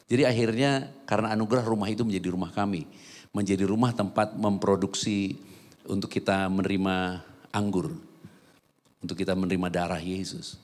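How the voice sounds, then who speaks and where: A man's voice: on the low side, darkish tone. A man preaching a sermon as pastor, telling a personal story and then building to fervent exhortation in a church hall.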